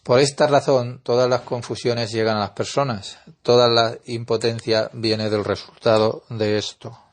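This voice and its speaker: A man teaching a spiritual lesson in an earnest, measured lecturing manner. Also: mid-range voice, little pitch movement. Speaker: Kabbalah teacher.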